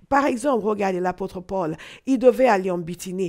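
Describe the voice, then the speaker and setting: On a very clean recording with a silent background, a woman talks at a moderate pace and medium pitch, with ordinary pitch variation. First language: English (speaking French). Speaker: pastor. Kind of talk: sermon. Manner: animated.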